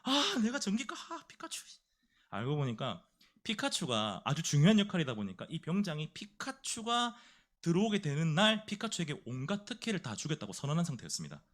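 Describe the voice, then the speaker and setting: A man preaching a sermon in a church, telling a story with lively energy and putting questions to the congregation. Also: fairly high pitch, a little fast.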